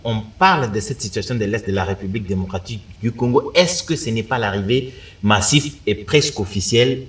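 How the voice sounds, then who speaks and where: A man's voice: on the low side, distant mic. A man hosting a studio debate, moderating and asking pointed, leading questions. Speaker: talk show host.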